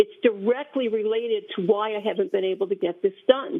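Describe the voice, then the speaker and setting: A woman speaks at a fairly high pitch with ordinary pitch variation. Her pace is moderate. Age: 60s. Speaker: resident at a public hearing. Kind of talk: public hearing testimony. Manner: pleading, emotional.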